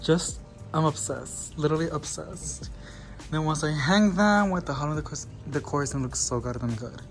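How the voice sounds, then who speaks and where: Young man, bubbly sorority-girl gushing, higher-pitched voice, casual vlog chat, noticeable background music. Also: normal speed, creaky, low-quality recording. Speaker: host of a plant haul vlog. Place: at home, indoors.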